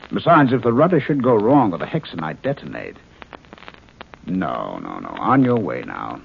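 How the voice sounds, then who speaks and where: 1950s radio scientist in command. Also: male voice, sits low, vocal fry, heavily acted. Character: authoritative male scientist commanding a missile test. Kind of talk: 1950s radio drama acting. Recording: muffled, noisy 1950s radio recording.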